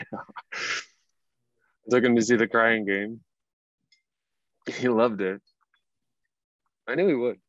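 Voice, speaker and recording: A man's voice: medium pitch, fairly even intonation, drawn-out words, pauses often, fairly bright tone, no echo. A man acting an earnest, grieving gay man in his late thirties in a table read of a drama, with a conversational delivery and slightly dull sound. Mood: fond.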